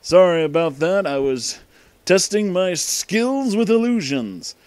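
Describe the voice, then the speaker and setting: Man playing a measured, mysterious male mystic. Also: high voice, very animated, darkish tone, dry recording, voice pushed up, heavily acted. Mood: mysterious, knowing. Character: mysterious male hippie illusionist, calm and knowing.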